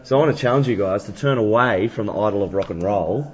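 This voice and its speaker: A man's voice: fairly low pitch, fast talker. A man hosting a playful chat, explaining his faith to a band in a joking, preachy way. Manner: jokey, preachy. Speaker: host. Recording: dull lo-fi audio.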